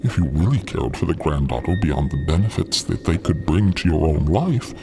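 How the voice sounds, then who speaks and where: A man's voice: a bass voice, animated, moderate pace, music in the background. A man playing a smug, manipulative and condescending schemer in an audio drama, with theatrical, needling delivery. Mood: smug, admonishing. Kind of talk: dramatic audio fiction acting.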